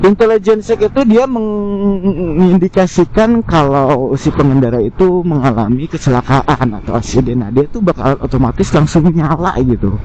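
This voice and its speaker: Man, slightly high voice, chatty motovlogger, unscripted and slangy, dull muffled helmet mic, outdoors on a motorcycle. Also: moderate pace. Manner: slangy, chatty, thinking aloud. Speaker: motovlogger reviewing gear. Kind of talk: casual unscripted review while riding. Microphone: helmet intercom microphone. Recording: muffled helmet intercom mic, loud vehicle noise. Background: road and engine noise.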